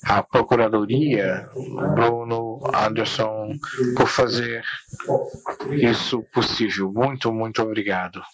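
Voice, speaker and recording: A middle-aged man giving an academic lecture as guest speaker, halting and often restarting words as he searches for phrasing. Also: on the low side, fairly even intonation, over a noisy crowd. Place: large lecture hall. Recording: echoey hall from a room mic.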